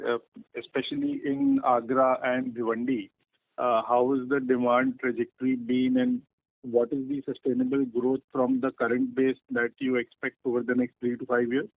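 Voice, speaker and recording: A man with an Indian accent politely and haltingly putting questions as an analyst on an earnings call. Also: mid-range voice, creaky. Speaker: financial analyst caller. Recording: tinny phone line.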